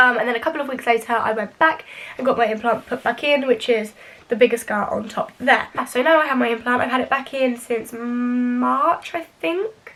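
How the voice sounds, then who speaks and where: A high-pitched woman speaking fairly quickly with ordinary pitch variation, over noticeable background noise. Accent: English. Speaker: YouTuber. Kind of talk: casual chat. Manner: fast.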